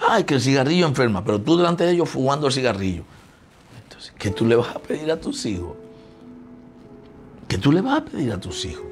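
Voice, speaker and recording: Puerto Rican pastor preaching conversationally. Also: male voice, mid-range voice. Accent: Puerto Rican Spanish. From Puerto Rico. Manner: conversational preaching, acts out dialogue with his family. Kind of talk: sermon.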